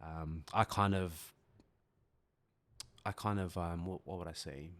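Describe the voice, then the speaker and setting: A New man in his forties, whose was Samoan, speaking with a very deep, low voice. He talks reflectively and pauses to search for words, like a guest opening up on a podcast. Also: steady tone. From New Zealand. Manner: thoughtful, pauses to find words.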